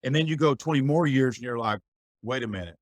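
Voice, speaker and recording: A man's voice: mid-range voice, fast talker, no echo. A middle-aged man speaking as a podcast guest, giving earnest, folksy advice in a reflective conversation. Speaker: guest, business owner.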